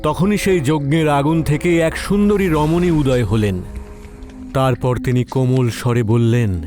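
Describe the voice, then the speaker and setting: A man's voice: medium pitch, measured pace, over music. A man narrating a scripted horror story in a dramatic storytelling style.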